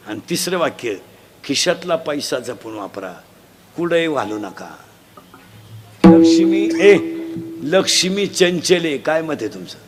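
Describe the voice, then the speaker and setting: Middle-aged marathi preacher yelling questions at the kids, really bright voice, live recording with some noise. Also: male voice, a little high. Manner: shouts questions for children to answer back. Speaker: kirtan preacher. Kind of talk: comic devotional sermon. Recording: live event, faint crowd and noise.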